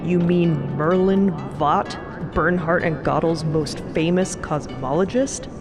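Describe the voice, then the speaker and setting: A woman's voice: low voice, slow, music in the background. A woman playing a defensive, bookish, easily embarrassed timekeeper in an audio drama. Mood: flustered.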